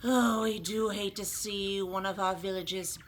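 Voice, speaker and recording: An actress playing a sinister old village elder and witch in an audio drama, with a sugary, patronizing, creaky delivery. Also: medium pitch, steady tone, a little slow, slight background noise, natural voice. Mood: cold menace.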